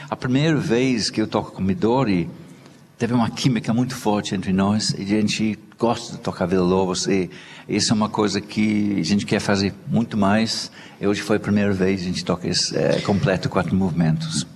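A British cellist with an English accent, speaking non-native Portuguese haltingly, with many restarts as he searches for words. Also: fairly low pitch. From Britain. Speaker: cellist and festival organizer. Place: theater stage. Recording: reverberant hall with light noise.

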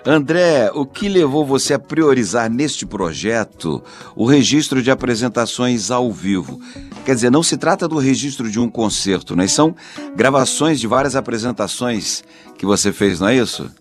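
A man's voice: mid-range voice, animated, normal speed, faint music behind. A Brazilian man hosting a radio interview with a polished announcer delivery. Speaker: radio host.

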